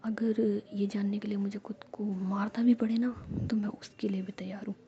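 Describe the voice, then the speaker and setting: A woman's voice: medium pitch, level tone, normal speed, dark tone, slight background noise, lightly acted. Woman whispering as a clingy, teasing young woman. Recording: dull lo-fi recording.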